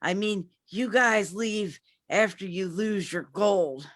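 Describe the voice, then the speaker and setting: A woman's voice: medium pitch, takes it slowly, no room sound, clean studio sound, close to an everyday voice. A woman reading the part of a scornful, bragging champion wrestler in a staged promo, taunting and dismissive.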